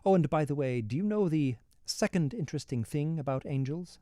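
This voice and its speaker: A man acts out an urbane male ruler from a storybook in an American accent, close and dry in sound. He speaks in a measured, ironic way, polite on the surface and coolly threatening underneath. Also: on the high side, lively intonation, dark tone, no echo, pitched above the performer's own voice, lightly acted. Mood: dry, patronizing. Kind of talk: storybook dialogue read aloud.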